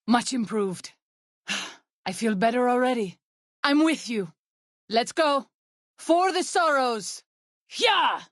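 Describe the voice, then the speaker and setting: High-voiced, earnest tribal healer. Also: female voice, no echo, clean studio sound. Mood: weary, hurting, then alert. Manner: formal, measured wording without slang. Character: tribal healer woman companion, protective mother, principled and earnest. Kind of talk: video game character voice lines.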